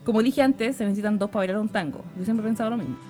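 A young Chilean woman hosts a casual podcast chat, speaking very fast in a mid-range, darkish voice full of slang and frequent laughter. Soft music plays in the background.

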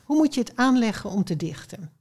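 A woman voices an inquisitive storybook donkey, eager to learn. He sounds naive and earnest, puzzled by what he hears, in a mellow, unforced tone. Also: on the high side, big pitch swings, fairly quick, husky. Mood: curious, eager. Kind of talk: storybook read aloud.

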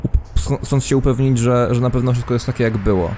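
A man's voice: medium pitch, fast talker, warm tone. A man working as game master, improvising narration for a tabletop role-playing game. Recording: faint background noise.

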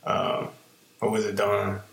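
A man's voice: fairly low pitch, completely flat delivery, takes it slowly, vocal fry, a bit bright, roomy sound. A young man from Eastern North Carolina with a Southern accent, co-hosting a podcast in a laid-back, rambling way full of fillers. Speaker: podcast co-host. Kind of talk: casual podcast chat.

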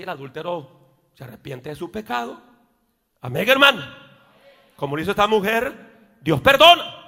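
A male pastor preaching a sermon in church, rising to shouts and dropping into joking asides. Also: very high-pitched, creaky. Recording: long reverb of a church hall.

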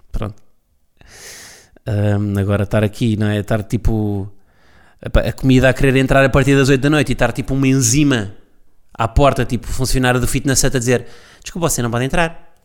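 A man with a European Portuguese accent, hosting a casual solo podcast from home, rambling with jokes and self-correcting asides. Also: medium pitch. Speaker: podcast host. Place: at home alone.

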